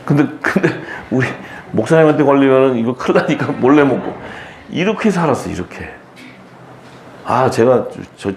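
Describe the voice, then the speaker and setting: A man preaching in a chatty, animated seminar style, acting out quotes in a raised voice. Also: medium pitch, creaky, roomy sound, slight background noise. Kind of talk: conversational sermon seminar.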